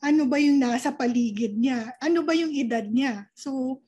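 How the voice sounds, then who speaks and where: A woman speaking as an early childhood education expert, calmly explaining with rhetorical questions and mixing Tagalog and English. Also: high voice, moderate pace, husky, dull audio. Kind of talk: explanatory interview talk.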